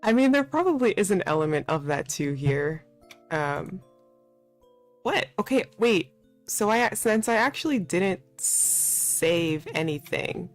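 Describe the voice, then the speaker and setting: A woman with a low voice talks through a game at a slow, easy pace. She is informal and playful, thinking aloud as she plays, with faint music underneath. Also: animated. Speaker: streamer playing and reading aloud a visual novel. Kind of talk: casual let's play commentary with read-aloud game dialogue.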